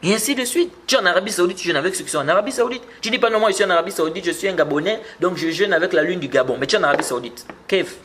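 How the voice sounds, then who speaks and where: A man's voice: sits high, expressive, rapid-fire, hardly any pauses, a bit bright, slight background noise. A man giving a religious lesson, explaining patiently, repeating words and rising when he stresses a point. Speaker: Islamic teacher.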